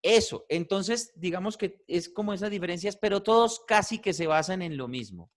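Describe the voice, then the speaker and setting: A man teaching a voice class, animated and repetitive, checking in with "¿cierto?" often. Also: sits high, normal speed. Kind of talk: online class feedback.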